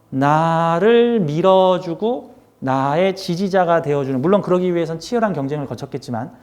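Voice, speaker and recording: High-voiced man giving a lively lecture. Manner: lively, asks the class questions and answers them himself; switches between polite and casual speech. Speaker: fortune-telling teacher. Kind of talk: recorded class lecture.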